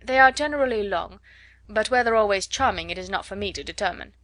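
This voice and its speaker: A proud, reserved gentleman speaks in curt, measured sentences, coolly dissecting every point. A woman reader voices him close and dry, storybook style. He never warms. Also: mid-range voice, animated, dry recording.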